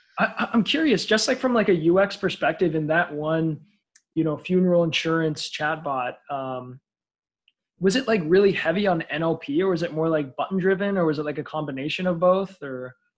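Pitch varies in an ordinary way at a moderate pace. The background stays quiet. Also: man, high pitch for a man. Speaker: podcast host. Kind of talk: podcast interview. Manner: frequent filler words. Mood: friendly, curious. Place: home room. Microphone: webcam.

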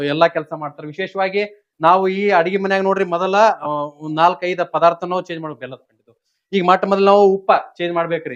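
Fairly even intonation from a man with a high-pitched voice. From north Karnataka, Vijayapura district (Almel). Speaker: organic farmer. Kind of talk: interview, farm tour.

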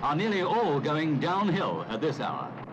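Lively intonation carries this speech in a British accent over noticeable background noise. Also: man. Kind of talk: vintage newsreel narration. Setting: period film soundtrack, studio narration.

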